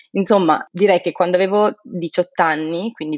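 A woman talks at a moderate pace with ordinary pitch variation. Hers is a plain, everyday voice. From northern Italy, Bergamo. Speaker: ethnobotany researcher. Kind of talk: interview.

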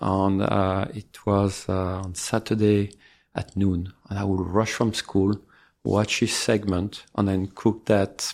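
The speaker has a French accent and a monotone, flat intonation at a fairly slow pace. The recording is very clean with a silent background. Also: man. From France, Normandy. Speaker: pastry chef and bakery founder. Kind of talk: interview.

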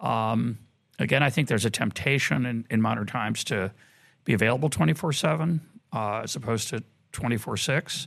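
With an American accent, a man uses lively intonation and vocal fry at a medium pitch, on a very clean recording with a silent background. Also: fairly quick pace. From US Northeast, Boston. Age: 60s. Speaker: economist and author. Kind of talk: interview conversation.

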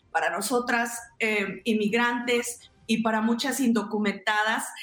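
Fairly high female speech with audible room echo, set against noticeable background noise. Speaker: advocacy group leader. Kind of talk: interview.

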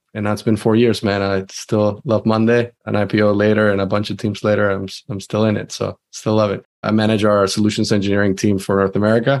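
The speech comes in a Venezuelan accent at a fairly quick pace. The intonation is monotone and flat. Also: man, fairly low pitch for a man. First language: Spanish. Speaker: sales leader. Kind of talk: casual interview chat.

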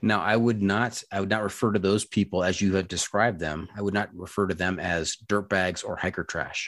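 On a very clean recording with a silent background, a man with an American accent speaks fairly quickly in a plain, everyday voice, fairly low in pitch with fairly even intonation. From United States. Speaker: podcast host. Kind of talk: casual chat.

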